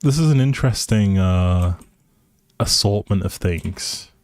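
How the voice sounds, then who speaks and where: Slow, low, mellow-voiced man musing aloud. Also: expressive, no room sound. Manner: musing, hesitant, trailing off. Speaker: live streamer playing a life simulation game. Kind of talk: casual chatty gameplay commentary, thinking aloud.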